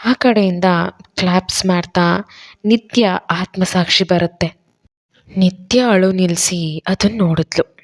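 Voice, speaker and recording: A woman storyteller narrating an audio love story in a soft, measured voice. Her voice sits slightly low.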